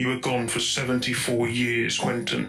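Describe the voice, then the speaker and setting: A man's put-on character voice at a moderate pace, over clear background noise. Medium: audio drama. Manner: flat, precise, unemotional.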